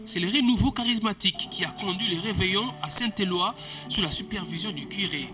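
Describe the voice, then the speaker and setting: A man reading a formal news report as a voice-over, measured and even. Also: sits high.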